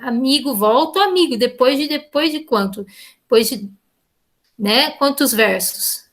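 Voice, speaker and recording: Brazilian lady teacher, high bright voice, chatty, keeps asking the class if they get it. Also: animated, a little slow. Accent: Brazilian Portuguese. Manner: chatty, checks in with frequent tag questions, reads verses aloud. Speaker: literature teacher. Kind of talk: casual classroom explanation.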